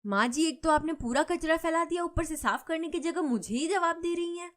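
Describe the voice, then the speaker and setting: A woman voicing a quarrelsome, scheming middle-aged female neighbor who talks loudly and accusingly in a cartoon story. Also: fairly quick. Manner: loud, accusing and shrill.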